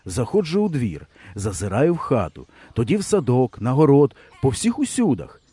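Expressive man reading a story. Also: medium pitch, normal speed, breathy edge, no echo. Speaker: audiobook reader. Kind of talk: audiobook narration.

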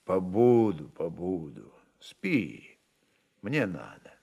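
A man voicing a brooding, restless Cossack leader in a dramatic reading, terse, quiet and weighty. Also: deep voice, very animated, extremely slow, gravelly, husky, dull audio, pitched below the performer's own voice, full character voice. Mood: quiet, reassuring.

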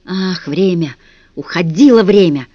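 An eager, insistent sixth-grade boy who calls out to his guards and bargains with them, as a man reading a children's storybook puts him on. The voice is fairly high and dry, captured on a dull studio recording. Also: unhurried, warm tone, no room sound. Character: sixth-grade boy prince, bold, pleading prisoner.

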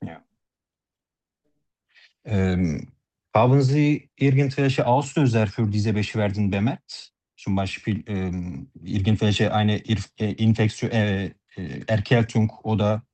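A man's voice: fairly low pitch, fairly even intonation, takes it slowly, warm tone. A man as a doctor taking a patient's history in a practice interview, speaking formally and politely. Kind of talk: role-played doctor-patient practice talk.

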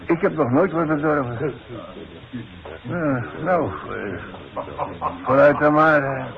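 Stubborn grumpy worker, old radio drama, muffled with crowd noise behind. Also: male voice, fairly high pitch, lively intonation, slow pace. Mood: grudging. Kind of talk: 1960s radio drama acting. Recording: dull radio recording with crowd.

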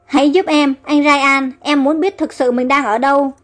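A woman's voice: high voice, fairly even intonation, normal speed, natural voice. A woman voicing an emotional, bewildered young woman in a storybook reading, over faint background music. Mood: tearful. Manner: emotional, pleading.

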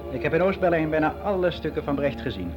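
A man's voice: on the high side, expressive, fast, lo-fi sound, over music, natural voice. An actor playing a lonely, self-deprecating middle-aged gay man, confiding hesitantly in a naturalistic radio drama monologue. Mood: wistful, reflective. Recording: very noisy radio play recording.

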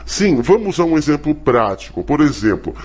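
A Brazilian man hosting a comedy mock lesson as a professor, explaining in a halting, didactic way. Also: on the high side, sing-song, a little mellow, husky. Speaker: comedy professor host answering callers.

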